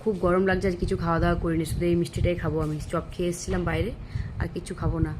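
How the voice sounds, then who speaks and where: A woman chatting to viewers in a casual daily vlog, speaking softly because of a sore throat. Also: lowish voice, level tone, racing. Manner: chatty, addresses viewers directly. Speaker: vlogger. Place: home and outdoors, moving around. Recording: noisy phone recording.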